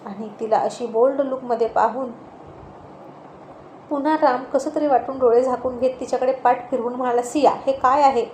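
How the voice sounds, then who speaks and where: A woman narrating an episode of a serial story in a steady, plain storytelling manner. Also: high-pitched, moderate pace. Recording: roomy echo, faint noise.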